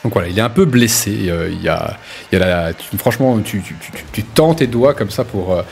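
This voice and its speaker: A man's voice: fairly low pitch, animated, fairly quick, gravelly, slight background noise. A man running a tabletop role-playing game, narrating in an informal, hesitant but vivid way. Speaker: game master.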